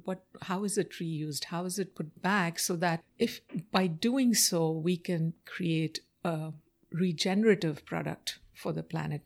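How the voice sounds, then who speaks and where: Low, gravelly-voiced woman from India. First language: Marathi. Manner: thoughtful, reflective, many pauses and fillers. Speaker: interview guest. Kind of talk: casual interview answers.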